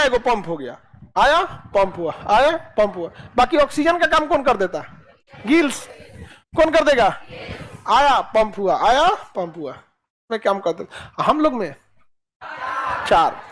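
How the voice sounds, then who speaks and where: A man teaching a class, firing questions and answering them himself in a lower aside, with rustic colloquial jokes. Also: fairly bright tone, rough recording. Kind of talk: classroom lecture with call-and-response.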